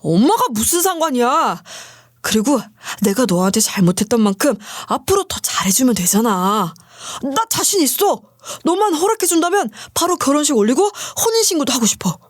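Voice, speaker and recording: A woman's voice: sits high, sing-song, moderate pace, no room sound, studio quality, voice pushed up. A woman voicing a self-pitying, remarried ex-husband who pleads and makes excuses in a storybook reading. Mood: pleading.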